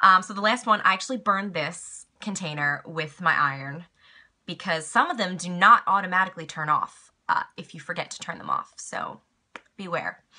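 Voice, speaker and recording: In a bright, sharp tone, a woman speaks at medium pitch with ordinary pitch variation and big swings in loudness. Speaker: beauty vlogger. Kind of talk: tutorial. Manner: fast; casual, many fillers.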